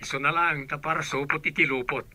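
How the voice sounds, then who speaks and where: Young man lead for a radio drama, very bright, slightly high voice, friendly. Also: fairly even intonation, fast talker. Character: young man working away from home.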